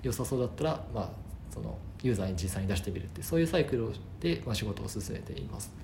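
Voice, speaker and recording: A man with a fairly low pitch, vocal fry and a dark, mellow tone talks at a very fast pace with very wide pitch swings. Audible room echo surrounds his voice. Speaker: software engineer. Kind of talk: casual chat. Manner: halting.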